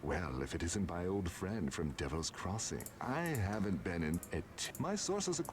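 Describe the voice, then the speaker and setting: An actor playing a male game character who greets an old friend in a slow, knowing way. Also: deep voice, very animated, background noise. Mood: sly greeting. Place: played from the game behind the streamer.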